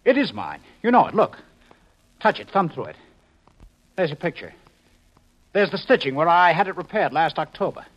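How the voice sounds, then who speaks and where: Worked up american husband, old 50s radio play, emphatic n indignant, voice all over the place. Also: male voice, a little high, sing-song, moderate pace, pauses often, a bit bright, muffled recording. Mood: desperate, pleading. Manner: emphatic, exasperated, swooping delivery. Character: agitated, indignant husband, a future security chief. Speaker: radio drama actor. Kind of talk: 1950s radio drama acting.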